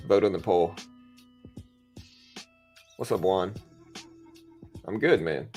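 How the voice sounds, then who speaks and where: A man with a raspy voice hosting a live trading stream, talking to chat in a laid-back, slangy way. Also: low voice, slow pace, darkish tone. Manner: laid-back, slangy, addressing viewers as bro. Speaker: livestream host, stock trader. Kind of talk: casual live market commentary with chat. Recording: music playing behind the voice. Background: music.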